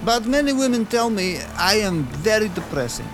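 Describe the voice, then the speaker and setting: Man playing a bumbling henchman in a radio comedy, high lively voice, broken english, music behind. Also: normal speed. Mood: hesitant. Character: bumbling male henchman, gloomy and vain.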